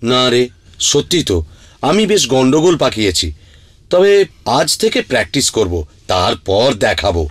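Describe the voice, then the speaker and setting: A man's voice: medium pitch, sing-song, a little slow, no echo. A man voicing a confident, well-meaning but clumsy strongman hero in a children's cartoon. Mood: sheepish but determined. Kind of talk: Bengali children's cartoon dubbing. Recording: music behind the voice.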